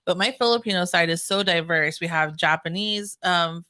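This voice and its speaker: A woman hosting a relaxed podcast chat, her voice bright and ringing. She talks candidly and animatedly, with the odd curse slipped in, like she is catching up with a friend. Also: lowish voice, moderate pace. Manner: candid, animated, swears casually. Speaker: podcast host. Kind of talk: casual conversational interview.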